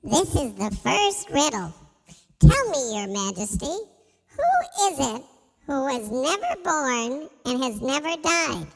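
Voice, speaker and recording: A man voicing a bold, wise little hoopoe bird from a storybook in a creaky, high voice, speaking formally in an echoey hall. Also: big pitch swings, fairly bright tone, full character voice. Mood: solemn riddling. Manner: deliberate, formal riddling. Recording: echoey hall with long reverb.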